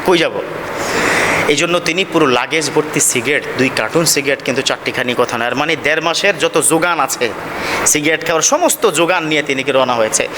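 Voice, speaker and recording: A man's voice: on the high side, a little fast. A Bangladeshi man preaching an Islamic sermon as a storyteller, putting rhetorical questions to his listeners and prompting them. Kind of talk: sermon to a congregation, with anecdotes and Arabic quotations. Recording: long hall reverb, noisy live PA recording.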